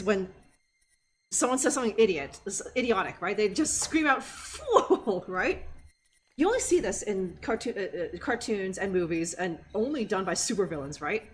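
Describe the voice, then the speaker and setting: A woman streamer giving casual gameplay commentary, giggly and rambling. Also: medium pitch.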